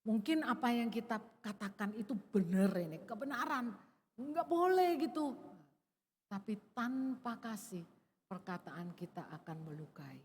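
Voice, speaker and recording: A middle-aged woman preaching a sermon in a conversational, expressive way, often dropping to a soft emphasis. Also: a little high, a little slow, husky, in a large hall. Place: large church hall.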